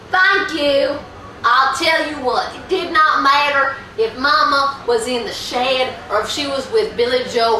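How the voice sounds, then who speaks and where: A woman's voice: sits high, bright, forceful tone. A woman playing a blunt, indignant country sister, scolding emphatically in a comedy sketch. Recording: echoey room, distant mic, faint noise.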